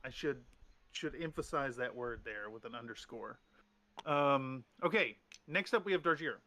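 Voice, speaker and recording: A man's voice: mid-range voice, lively intonation, normal speed, sharp tone, a little hiss or hum. A man running a tabletop game as game master, rambling with restarts and fillers.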